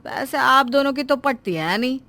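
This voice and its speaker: A polite young husband from an animated family story, voiced by a woman. He talks firmly and reasons things out. His voice is bright and recorded dry. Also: sits high, normal speed, no echo, exaggerated voice. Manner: firm, reasoning.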